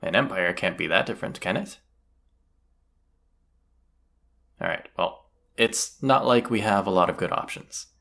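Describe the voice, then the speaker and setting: A man's voice: deep voice, animated, fairly quick, vocal fry, fairly bright tone, exaggerated voice. A man playing a cocky, teasing, commanding bandit leader in a roleplay audio drama, casual and swaggering. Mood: persuasive, teasing. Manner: casual, teasing, swaggering, rhetorical tag questions.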